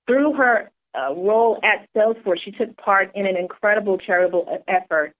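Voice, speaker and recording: An eager woman co-hosts a podcast, earnest and enthusiastic, stumbling now and then on fillers while reading. Her pitch is ordinary for a woman. The audio comes through a narrow, phone-like line. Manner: enthusiastic, earnest, a bit halting. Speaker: co-host. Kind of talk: podcast hosting, reading a bio.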